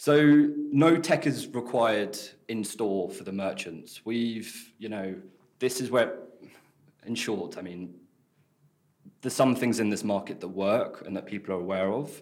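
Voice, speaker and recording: Pausing long and often, a man with a British accent speaks at a fairly slow pace and medium pitch, with lively intonation and big swings in loudness. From UK. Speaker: startup founder. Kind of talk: interview.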